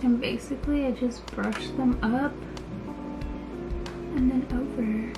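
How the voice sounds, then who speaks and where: A woman's voice: sits high, fairly even intonation, slow, over music. A young woman chatting playfully through a casual makeup tutorial in a bedroom, her speech slightly slurred by a retainer. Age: young adult. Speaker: beauty vlogger. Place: small bedroom indoors.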